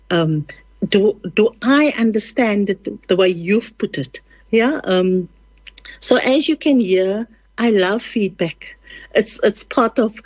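South African woman with an Afrikaans accent, earnest writer guest, slightly high voice, dry close sound, lots of ums and restarts. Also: dry recording. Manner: earnest, rambling with many fillers and restarts. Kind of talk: casual conversational interview.

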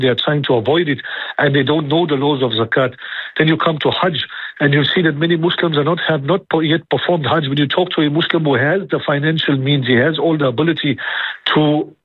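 A man's voice: on the high side, breathy edge, no echo. A man giving a religious lecture as a preacher, repeating himself, listing point after point and asking rhetorical questions. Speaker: Islamic preacher. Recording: tinny phone-like radio line.

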